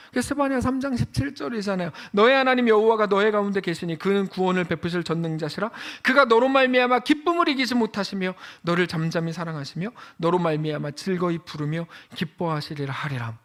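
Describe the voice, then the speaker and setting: A man preaching a sermon as pastor, passionate, rising to loud high outbursts and dropping to quiet low stretches as he reads scripture and speaks God's words to the listener.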